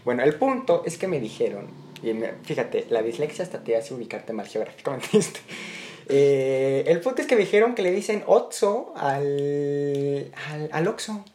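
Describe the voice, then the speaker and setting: Chilango podcast host rambling casually. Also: male voice, a little high, animated, normal speed, a little mellow, slight background noise. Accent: Mexico City Spanish. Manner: rambling, joking, loses his train of thought. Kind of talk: casual chat.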